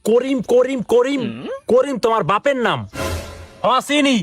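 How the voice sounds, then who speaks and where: Guy voicing a mouthy young village dude, blunt and mocking, super high pitched. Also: normal speed, faint music behind. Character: sharp-tongued young village man. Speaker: character in a comedy skit. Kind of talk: comic skit dialogue.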